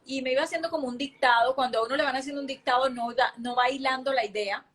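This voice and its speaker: A woman's voice: high-pitched, steady tone, fast talker, a bit bright. A woman, giving an earnest, vivid faith testimony as an interview guest. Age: late 30s.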